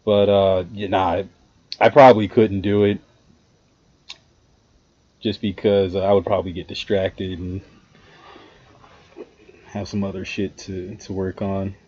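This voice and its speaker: A man's voice: low voice, little pitch movement, takes it slowly, long pauses, darkish tone, lo-fi sound. A man casually chatting with his viewers while reacting to a video, rambling, swearing freely and talking to the chat.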